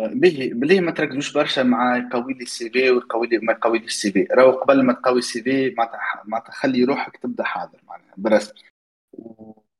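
A man talks at a fairly quick pace with hardly any pauses, his loudness swinging widely. His pitch is medium, with ordinary variation. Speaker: IT expert and influencer. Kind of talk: casual online discussion. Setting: online call. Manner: talkative, code-switching between Arabic and French.

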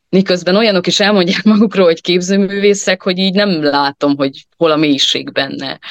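A woman with an unremarkable speaking voice talks with ordinary pitch variation and very even loudness, hardly pausing, in a dry, close sound with no echo. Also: medium pitch for a woman, fairly quick pace. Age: 20s. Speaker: stage actress. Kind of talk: panel discussion.

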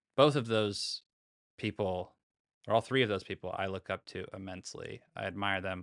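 Speech comes at a moderate pace with fairly even intonation. The sound is dry and close with no echo, over a quiet background. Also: man. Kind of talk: casual solo monologue. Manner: halting, with fillers.

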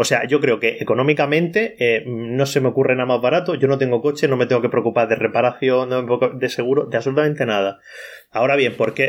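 A man speaks at a very fast pace and at a medium pitch. His loudness stays very even, and his pitch varies in an ordinary way. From Cartagena, Murcia, southeast Spain. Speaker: environmental scientist and science communicator. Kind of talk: casual chat.

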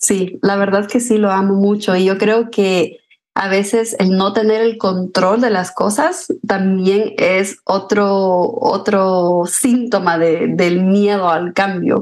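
A woman talks at a very slow pace and medium pitch, with very even loudness. She has hardly any pauses and fairly even intonation. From Honduras. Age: 30s. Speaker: podcast co-host, photographer. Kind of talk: casual chat.

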